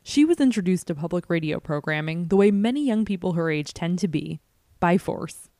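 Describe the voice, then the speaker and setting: An American woman narrates a scripted report as a public radio host. Her voice sits a little low and has a soft, mellow tone. The sound is dry and close. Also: expressive, a little fast, no echo.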